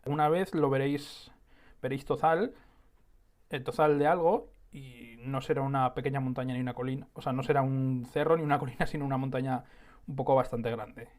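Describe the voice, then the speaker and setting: A man's voice: medium pitch, steady tone, fairly quick, a little mellow. A man hosting his own podcast alone, explaining things in a chatty, rambling way and often correcting himself mid-sentence. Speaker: podcast host.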